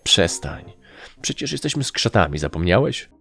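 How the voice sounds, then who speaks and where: A man's voice: low voice, very animated, normal speed, gravelly, pushed and bright, husky, faint music behind, exaggerated voice. A man voicing a cocky little male sprite, a confident and grandiose sweet-talker in an audiobook. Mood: encouraging. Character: small male kobold-like sprite, cocky, scheming, sweet-talking. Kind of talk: audiobook character acting.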